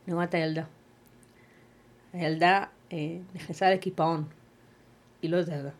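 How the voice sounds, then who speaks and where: A woman appears as a guest on an interview podcast, giving personal testimony in a somewhat low, level-toned voice. She speaks in a measured, halting way, pausing and starting over as she hunts for the right words.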